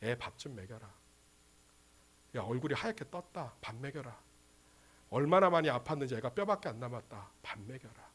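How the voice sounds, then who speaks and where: A pastor doing a soft, fatherly Jesus. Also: medium pitch, animated, a little fast, pauses often, breathy edge, pitched below the performer's own voice. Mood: tender. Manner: soft, hushed, fatherly urging. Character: Jesus, calm tender male teacher.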